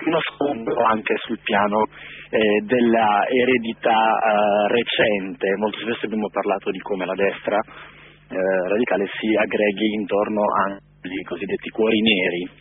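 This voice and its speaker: Deep-voiced man on a tinny phone line. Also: slightly rough. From north-east Italy. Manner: halting, many filler pauses. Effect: heard over a phone line. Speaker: phone-in correspondent. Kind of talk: political radio commentary.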